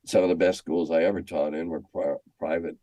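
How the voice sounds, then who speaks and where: An older American man reminiscing in a casual, halting, anecdotal way, often repeating himself as he goes. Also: low-pitched, fairly even intonation, dark tone, no room sound. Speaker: guest, former schoolteacher. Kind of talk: casual storytelling interview.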